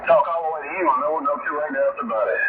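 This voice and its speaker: A man's voice: a little high, rapid-fire. A folksy man with a Southern US accent, chatting in slang over a CB radio transmission. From Louisiana, United States. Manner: folksy, repeats catchphrases. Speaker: CB radio operator. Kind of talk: casual CB radio chat with slang. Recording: narrow, very noisy CB radio reception.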